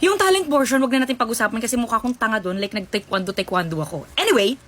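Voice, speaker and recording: A high-voiced young woman tells casual storytime anecdotes straight to her viewers. She is chatty and gossipy, calls them "te" and drops English words into her talk. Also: animated, racing. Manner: chatty, gossipy, addresses listeners as "te", mixes in English. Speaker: storytime vlogger.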